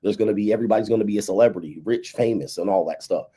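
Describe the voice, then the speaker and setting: A man's voice: on the low side, rapid-fire, warm tone, breathy edge. A man in his fifties giving casual, emphatic commentary on dating and relationships, often tagging his points with "right?" and "okay". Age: 50s.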